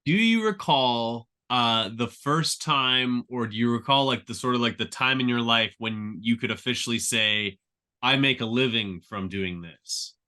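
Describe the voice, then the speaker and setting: A man's voice: mid-range voice, measured pace, bright, forceful tone. A man in his thirties hosting a casual interview, asking loose questions with lots of "like" and "uh" and eager reactions. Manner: enthusiastic, filler-heavy questions. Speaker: podcast host.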